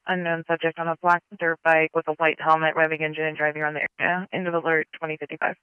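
Man, police dispatcher, police radio transmission, high flat voice, rapid codes, tinny band-limited sound. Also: clear, resonant tone, no echo.

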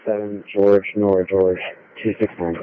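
A man's deep voice comes through a tinny police radio transmission, narrow and distant. He reads off letters and numbers in clipped phonetic code with a steady, flat delivery. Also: normal speed, no room sound. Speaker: police officer. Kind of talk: radio call-in.

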